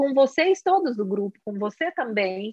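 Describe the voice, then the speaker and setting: Recorded dry and close with no echo, a woman speaks at a fairly high pitch. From Brazil, Goiás. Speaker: emergency nurse. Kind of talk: personal testimony. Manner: halting, many restarts.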